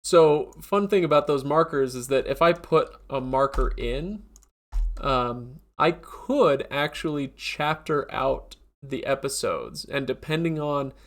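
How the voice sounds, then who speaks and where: A podcast host with a nasal, stuffed-up voice, chatting casually on a live stream. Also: male voice, medium pitch.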